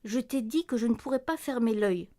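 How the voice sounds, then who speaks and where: An actress playing an anxious, insistent wife in a radio play, fretting over noises at night. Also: female voice, a little high, lively intonation, a little fast, mellow, natural voice. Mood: fretful, nagging. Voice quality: insistent, fretful. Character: anxious, insistent wife, worried, sharp-tongued.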